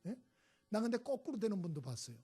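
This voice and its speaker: A man's voice: high voice, sing-song, quick pace, dark tone, husky, soft background music. A male pastor preaching a sermon, telling stories and prodding the congregation with short questions. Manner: storytelling, prods the congregation with "예?" and "음?".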